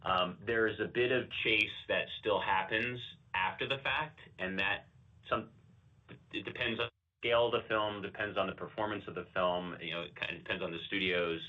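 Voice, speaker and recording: A man answering analysts' questions as a company executive on an earnings call, explaining things in a measured, qualified way. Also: lowish voice, steady tone, sharp tone. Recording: dull, muffled conference call audio.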